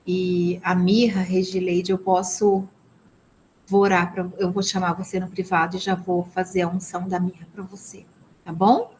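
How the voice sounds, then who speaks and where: A woman with a Brazilian Portuguese accent leads a live online Bible class for a women's ministry, her voice lowish, darkish and fairly flat in pitch at a normal speed. She preaches earnestly, full of blessings, constantly tagging lines with "amen?" and "né?". The recording is rough, with a little hiss or hum.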